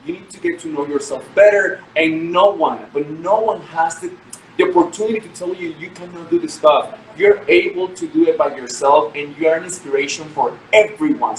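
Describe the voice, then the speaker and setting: A young man from Venezuela, his first tongue, answers interview questions earnestly over a video call. His voice sits a little high and rings in an echoey room with faint noise behind. He reaches for words with fillers and restarts. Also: fairly quick. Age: 20s. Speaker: guest, pageant winner.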